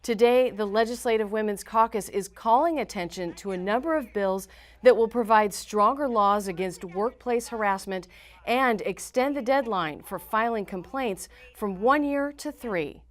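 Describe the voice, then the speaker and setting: A woman's voice: mid-range voice, moderate pace. A woman with an American accent reading scripted news in a formal, emphatic newsreader delivery. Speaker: news reporter and anchor.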